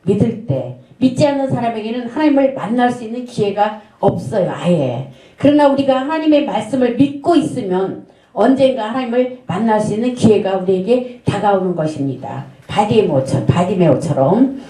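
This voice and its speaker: Woman pastor, sermon, mellow higher voice, echoey sanctuary. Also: lively intonation, moderate pace. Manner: earnest, storytelling with rhetorical questions. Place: church sanctuary. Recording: echoey church room.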